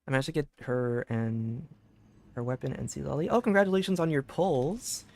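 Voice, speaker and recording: A man's voice: mid-range voice, normal speed, creaky. A man casually commentating on a live game stream and reading bits of on-screen text aloud. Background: game music.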